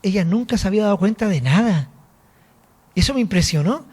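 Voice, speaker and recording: A man's voice: high-pitched, brisk, slightly rough. A man preaching a sermon and telling a personal testimony, acting out the dialogue as he goes. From Chile. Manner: storytelling, animated, acts out dialogue. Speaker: apostle preaching.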